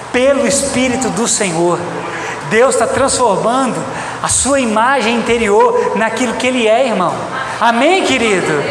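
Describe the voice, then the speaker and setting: Brazilian preacher guy, really high voice, emphatic and repeats stuff, echoey room with noticeable noise. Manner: emphatic, repetitive, addressing the congregation directly. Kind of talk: sermon. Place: reverberant church hall. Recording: echoey hall, loud background noise.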